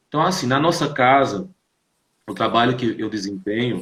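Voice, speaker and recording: A man is talking. He speaks with a strong northeastern Brazilian accent. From Brazil, Paraíba (Campina Grande). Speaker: spiritist medium. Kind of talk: live stream interview.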